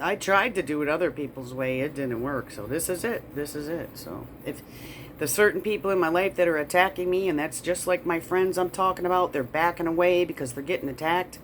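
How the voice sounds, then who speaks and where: Amid noticeable background noise, a woman with a fairly low pitch speaks with lively intonation. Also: fairly quick pace. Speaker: vlogger. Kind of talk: personal monologue. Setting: video recording. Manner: halting; stutter.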